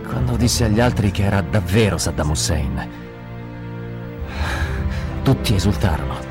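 A young interpreter recounting a capture, in earnest first-person documentary testimony. His lowish voice moves with lively rises and falls, and music runs underneath. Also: normal speed. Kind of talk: documentary dubbing voice-over.

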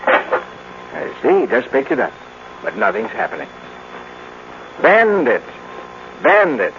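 An American actor playing a skeptical, easygoing boyfriend in a 1950s radio drama, talking in a colloquial, grumbling way. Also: male voice, mid-range voice, wildly swooping pitch, slow, exaggerated voice. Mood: skeptical, amazed. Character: skeptical, easygoing boyfriend giving a robot orders. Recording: muffled noisy old radio recording.

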